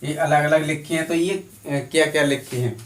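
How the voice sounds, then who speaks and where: A man's voice: fairly high pitch, steady tone, normal speed. A male teacher giving a classroom lecture, drilling students with repetitive question-and-answer. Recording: echoey room from a distance.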